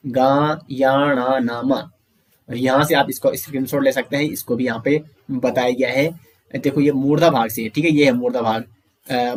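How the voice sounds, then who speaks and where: A man teaching an online grammar lesson, explaining step by step, asking questions and answering them himself, and saying sounds out slowly for pronunciation drills. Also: mid-range voice, breathy edge. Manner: often addresses listeners as friends.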